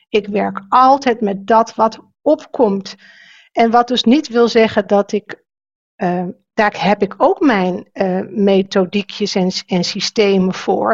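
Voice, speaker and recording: With a quiet background, a woman speaks at a very slow pace in a medium pitch with ordinary pitch variation. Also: dry, close sound with no echo. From Netherlands, Drenthe. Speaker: shamanic coach and leadership trainer. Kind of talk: conversational interview. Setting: video call.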